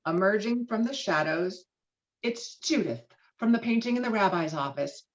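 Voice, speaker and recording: A woman reading screenplay stage directions with dramatic, expressive delivery over a video call. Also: mid-range voice, moderate pace, muffled recording. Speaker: stage directions reader at a table read.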